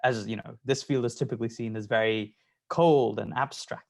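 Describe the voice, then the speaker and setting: Man interviewer, measured with frequent ums. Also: mid-range voice, fairly even intonation, gravelly. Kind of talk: virtual interview. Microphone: video call.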